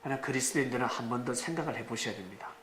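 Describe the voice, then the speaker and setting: A male pastor preaching a sermon with dramatic rises, sudden shouts and rhetorical questions to the congregation. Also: mid-range voice, racing, slight background noise. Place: church sanctuary. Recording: echoey church room, faint ambience.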